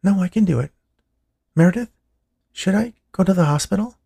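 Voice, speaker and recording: A man's voice: sits high, fairly quick, vocal fry, dark tone, breathy edge, no room sound, clean studio sound, pitched above the performer's own voice, exaggerated voice. A man voicing an anxious pregnant woman in early labour, with worried, urgent delivery in an audiobook. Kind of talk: audiobook character dialogue.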